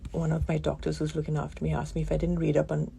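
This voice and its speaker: A woman physician giving a radio interview, with a croaky voice from a damaged vocal cord nerve, explaining things calmly with many pauses. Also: deep voice, a little hiss or hum. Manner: calm, explanatory, pauses often.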